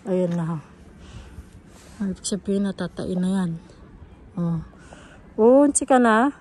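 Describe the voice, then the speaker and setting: Unhurried Filipino woman vlogging over background noise. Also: expressive, a little mellow. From Philippines. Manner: talks to her children in between narrating, mixing in Japanese and English words. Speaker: family vlogger and mother. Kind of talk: casual vlog chat. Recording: noisy home-video sound with ambient rumble.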